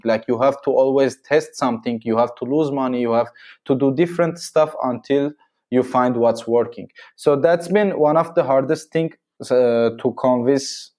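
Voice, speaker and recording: A man's voice: mid-range voice, darkish tone. A man from Syria speaking non-native English, answering in a podcast interview with many fillers and restarts. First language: Armenian and Arabic. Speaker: marketing agency owner, guest.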